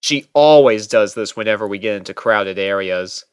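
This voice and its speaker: A man's voice: on the low side, moderate pace, clean tone, no echo, studio quality. A man reading scripted first-person fiction aloud as a story narrator. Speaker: narrator and reader.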